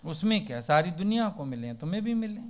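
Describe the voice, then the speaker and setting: A man's voice: fairly high pitch, sing-song, fast. A man giving a devotional sermon as a spiritual teacher. He tells folksy parables and keeps asking rhetorical questions. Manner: folksy and plain-spoken.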